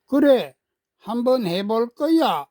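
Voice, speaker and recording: A woman playing a gentle mother in a children's story, affectionate and patient as she explains her new resolve. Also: a little high, lively intonation, takes it slowly, dry recording, studio quality, voice pushed up. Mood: resolved. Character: gentle mother newly resolved to get in shape.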